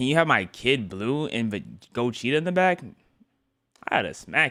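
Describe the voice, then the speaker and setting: In a very clean recording with a silent background, a man with a medium pitch speaks at a moderate pace in an animated tone, his pitch swinging very widely. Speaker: live streamer. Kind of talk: casual live stream chat. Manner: stuttering.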